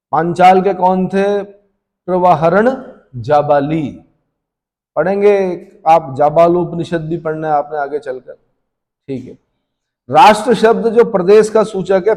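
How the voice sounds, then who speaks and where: A man's voice: high voice, a little mellow. A male history teacher, lecturing a class for exam prep and constantly quizzing students, then answering himself. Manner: asks students questions and answers them himself. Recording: long reverberant room echo.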